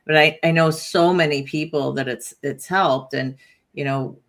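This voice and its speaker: A supportive live-stream host speaks with a gravelly, creaky edge at a middling pitch. The host reads out viewer comments and gently steers the interview. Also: fairly even intonation, measured pace.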